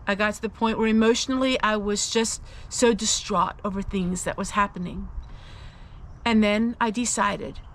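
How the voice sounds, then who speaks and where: A woman's voice: medium pitch, fairly bright tone, a little hiss or hum. A woman sharing a personal Christian testimony, speaking in an earnest, confiding and emphatic way as she encourages listeners. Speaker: host of a faith-based personal vlog.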